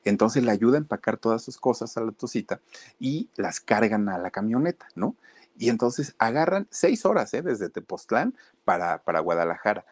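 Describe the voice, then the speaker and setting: A man's voice: lowish voice, very animated, normal speed, a little mellow, no echo. A man telling an anecdote in a chatty, casual way, talking straight to his listeners. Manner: chatty, addresses listeners directly, acts out quotes. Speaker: storyteller host.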